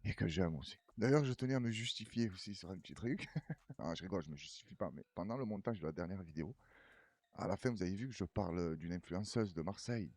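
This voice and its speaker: Male host, husky and low, loose rambling reaction talk. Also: expressive, fast talker, darkish tone, no room sound. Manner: rambling, chatty, laughs often. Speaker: news commentary host. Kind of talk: casual reaction commentary.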